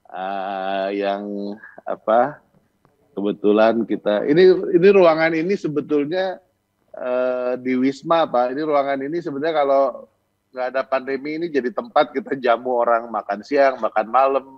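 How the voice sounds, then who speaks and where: This man's voice sits at a medium pitch and moves along at a moderate pace. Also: lively intonation. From Jakarta, Indonesia (Sundanese family). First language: Sundanese (speaking Indonesian). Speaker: ambassador. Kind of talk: casual interview.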